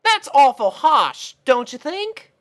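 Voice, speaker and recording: A woman voicing a kind, fair-minded country filly, a child who speaks in a folksy, gently scolding way. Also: high voice, big pitch swings, takes it slowly, voice pushed up, heavily acted. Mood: mildly scolding.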